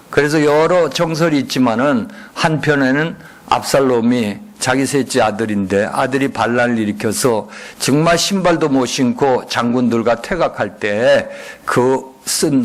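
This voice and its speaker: 예배당에서 설교하는 중년 남성 목사로, 회중에게 수시로 질문을 던지고 응답을 유도한다. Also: male voice, mid-range voice. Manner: call-and-response, frequent rhetorical questions. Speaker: guest pastor. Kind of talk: sermon. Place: church sanctuary.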